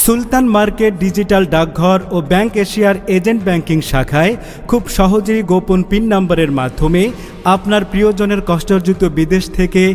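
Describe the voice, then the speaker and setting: A man reading a street loudspeaker advertisement in a loud, declamatory announcing manner. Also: high voice, a little fast. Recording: long reverb with music bed. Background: music.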